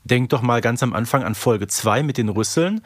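A man's voice: medium pitch, lively intonation, moderate pace, no room sound, clean studio sound. A man co-hosting a podcast in casual, colloquial conversation, often checking for agreement with tag questions. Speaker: podcast co-host. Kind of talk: casual chat reviewing an audio drama.

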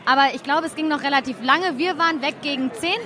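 Upbeat woman amid lively crowd noise. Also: sits high, fast talker. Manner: upbeat, enthusiastic. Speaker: guest, event host. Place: busy trade fair lounge. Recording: crowd chatter behind.

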